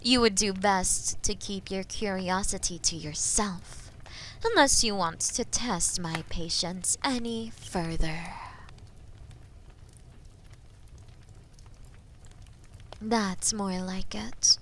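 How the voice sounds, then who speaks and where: A woman playing a haughty, menacing female dragon in an audio roleplay, imperious and mocking, with a breathy voice that often drops into whispers. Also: medium pitch, fairly bright tone, a little hiss or hum. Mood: proud, stern. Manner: imperious, mocking, slow and deliberate. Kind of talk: scripted audio roleplay addressed to listener.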